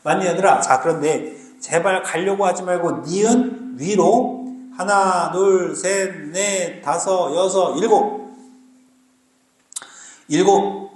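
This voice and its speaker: Guy teacher giving a live lecture, kinda high voice, slangy, keeps asking u get it?, echoey classroom. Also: takes it slowly. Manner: lively, keeps checking students understand; slangy and joking with students. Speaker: Korean literature teacher.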